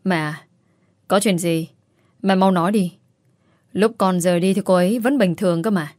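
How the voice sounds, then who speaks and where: A woman's voice: fairly low pitch, moderate pace, a little mellow, dry recording, studio quality, natural voice. A woman voicing an earnest young husband who speaks urgently and firmly.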